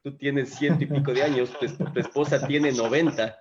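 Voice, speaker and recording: Man, host, earnest and animated storyteller, restarts a lot, dull lo-fi stream audio. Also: mid-range voice, normal speed, crowd noise. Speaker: host of a live faith talk. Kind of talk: casual spiritual conversation. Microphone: video call microphone.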